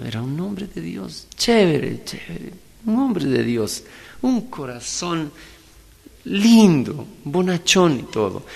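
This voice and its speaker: A middle-aged man with a Peruvian Spanish accent, preaching a sermon in lively storytelling, swinging from hushed to loud. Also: mid-range voice, gravelly, long reverb tail. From Peru. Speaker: pastor. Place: conference hall.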